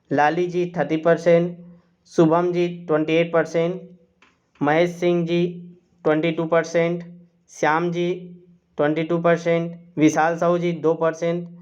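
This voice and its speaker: Reading out quiz questions and their options, a man teaches a live online exam-prep class, coaxing learners with repeated "theek hai" and "chaliega." His voice is fairly high, clean and darkish, captured in dull audio.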